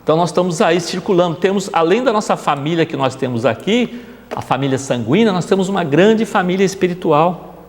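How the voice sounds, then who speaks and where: A man's voice: high voice, expressive, a little fast, big-room sound. A man gives a conversational gospel study talk, often checking in with his audience. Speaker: spiritist lecturer. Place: spiritist center hall.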